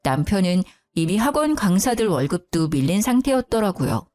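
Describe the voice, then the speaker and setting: A woman's voice: mid-range voice, very animated, normal speed, darkish tone, soft background music. A woman telling a dramatic first-person story in an emotional, indignant way.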